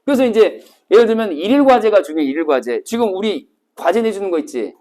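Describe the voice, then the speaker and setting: A man teaching a cram school Korean class, telling stories vividly and acting out scenes with sudden shouts. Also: sits high, expressive, fast. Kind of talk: classroom lecture to exam retakers.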